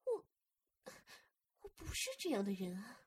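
Breathy, doting older sister, voiced by a woman. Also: mid-range voice, huge pitch swings, a little slow, darkish tone, exaggerated voice. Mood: soothing, tender. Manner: coaxing and soothing, often whispered. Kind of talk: intimate audio roleplay.

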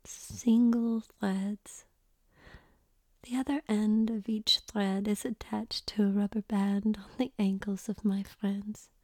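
A woman voicing a young foreign woman who gives orders in a measured, formal whisper. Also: mid-range voice, flat delivery, darkish tone, dry recording. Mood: cool commanding. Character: commanding foreign young woman, cool and controlled.

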